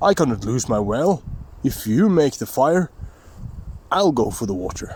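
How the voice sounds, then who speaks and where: A man puts on a character voice. He keeps a medium pitch and a moderate pace. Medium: read story.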